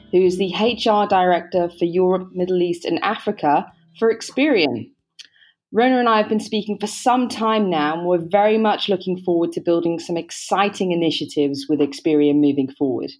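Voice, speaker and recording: A woman's voice: lowish voice, moderate pace, a little mellow, faint music behind. A woman hosting a podcast, welcoming her guest in an upbeat way and asking her questions. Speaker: podcast host. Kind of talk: podcast interview.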